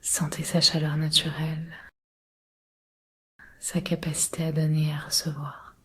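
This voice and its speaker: A woman leading a guided relaxation meditation in a breathy, husky, often near-whispered voice, giving slow, soothing, measured instructions. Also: low voice, completely flat delivery. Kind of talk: guided Yoga Nidra meditation.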